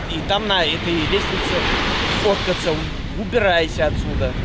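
Set against loud background noise, the dry sound of a man's voice carries no echo. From Russia, Nizhny Novgorod. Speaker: vlogger. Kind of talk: casual vlog chat. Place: beach. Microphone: phone near.

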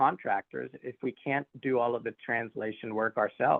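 A man with a Spanish accent speaks at a medium pitch. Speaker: city council candidate. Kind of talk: candidate forum answer.

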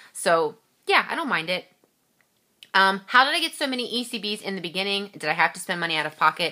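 A woman speaks with an American accent in a bright, sharp tone, her pitch swinging very widely. She talks at a fairly quick pace against a quiet background. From Pennsylvania. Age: 30s. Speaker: couponing YouTuber. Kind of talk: casual Q&A vlog. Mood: friendly, animated. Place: home room. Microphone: phone near.

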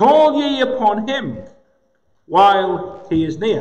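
Very slowly, a man delivers his words. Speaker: preacher. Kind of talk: scripture reading. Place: church. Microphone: phone near.

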